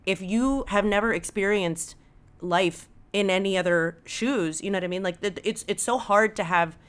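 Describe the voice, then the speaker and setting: A woman's voice: medium pitch, normal speed, clear, resonant tone. A woman with an American accent talking casually and earnestly in an interview, often checking that the listener follows. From Los Angeles, United States. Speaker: podcast guest, audio drama writer. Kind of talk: casual conversational interview talk.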